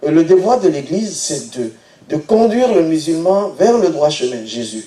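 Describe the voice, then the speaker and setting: This man talks at a high pitch and a very slow pace. His pitch swings very widely. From Ivory Coast. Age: 60s. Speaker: pastor. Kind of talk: lecture. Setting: seminar with audience.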